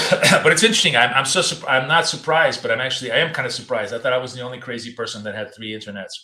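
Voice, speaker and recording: A man's voice: medium pitch, quick pace, bright, forceful tone, reverberant. A man hosting a live trading stream from his home office. He talks in a loose, chatty way, repeats words often, and is losing his voice. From United States. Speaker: trading show host. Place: home office in a city apartment.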